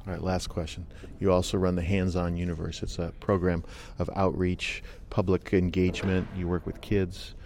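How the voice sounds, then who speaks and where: Low-voiced male podcast host. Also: level tone, normal speed, darkish tone, a little hiss or hum. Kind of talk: interviewing a guest.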